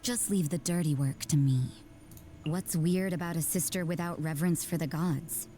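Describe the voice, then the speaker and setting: An actress voicing a cool, jaded young nun who works in the shadows, in measured, blunt, unsentimental game dialogue. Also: female voice, low-pitched, fairly even intonation, warm tone, a little hiss or hum, natural voice. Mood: aloof, dry. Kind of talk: scripted game character voice lines. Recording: background music under the voice.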